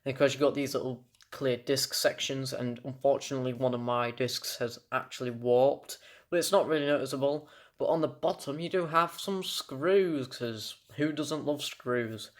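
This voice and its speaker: On video, a young British toy collector reviews a collectible in a casual, homey way. He speaks unscripted and haltingly at an ordinary male mid pitch, stumbling over words and correcting himself as he restarts.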